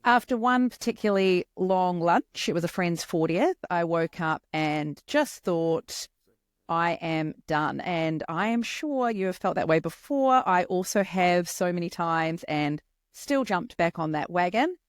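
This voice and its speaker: A woman in her forties with a New Zealand accent, a podcast guest telling her story in a candid, lively way. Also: on the low side, a little slow, no echo, studio quality. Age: 40s. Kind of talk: podcast interview.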